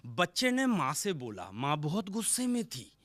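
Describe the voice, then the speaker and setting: A man performs stand-up comedy in a flavour, his fairly high voice leaping around in pitch. He acts out each character and stretches verse lines into a sing-song chant. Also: normal speed, no room sound, studio quality. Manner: animated, acts out quoted characters with sudden pitch jumps. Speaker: stand-up comic poet. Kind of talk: stage comedy storytelling.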